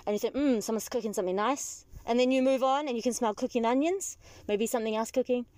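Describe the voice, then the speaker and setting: A young woman from New Zealand with a Kiwi accent, chatting as a passenger and telling stories with lively asides. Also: on the high side, quick pace, no echo. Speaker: taxi rider guest. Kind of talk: casual chat. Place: in a moving car.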